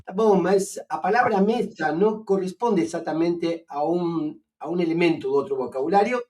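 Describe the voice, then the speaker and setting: Speaking in a fairly high voice with an Argentine Spanish accent, this man joins a laid-back academic discussion as a guest philosopher. Professorial but halting, he fills pauses with "eh," restarts frequently while thinking aloud, and seems a little far from the microphone.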